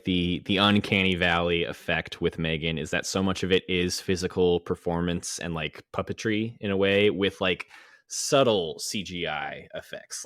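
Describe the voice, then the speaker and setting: A man with a very low voice co-hosts a laid-back movie podcast. He is chatty and quick to laugh, and the sound is close and dry, with no room around it. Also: no room sound. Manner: laughs easily, relaxed and chatty. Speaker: podcast co-host. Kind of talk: casual movie podcast chat.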